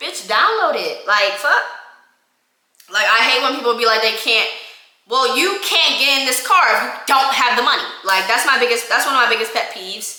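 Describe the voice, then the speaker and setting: A woman's high, raised, projected voice in an American accent, with lively intonation, long, frequent pauses and audible room echo. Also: moderate pace. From US South (Virginia/North Carolina). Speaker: YouTuber. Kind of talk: Q&A casual chat. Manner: casual, hesitant with fillers.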